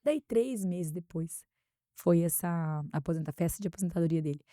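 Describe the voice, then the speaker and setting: A woman with a Brazilian accent, speaking as a guest expert in an interview and telling anecdotes in a lively way. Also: on the low side, normal speed, dry recording, clean studio sound. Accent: Brazilian Portuguese. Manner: animated anecdote-telling, acts out quotes. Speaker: guest expert on workplace harassment. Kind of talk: conversational interview storytelling.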